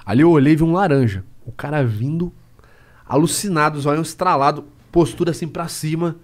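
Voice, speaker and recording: A young man, a private investigator, telling an animated story as a podcast guest and acting out scenes. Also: on the high side, a little fast. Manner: lively, acts out scenes and quotes.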